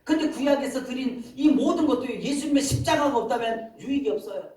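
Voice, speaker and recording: Pastor preaching in a big boomy church, kinda far from the mic, keeps asking the crowd questions and gets loud. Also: a little fast. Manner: asks the congregation rhetorical questions; emphatic, builds to loud passages. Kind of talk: sermon. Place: church sanctuary. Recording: very echoey hall, mic far off.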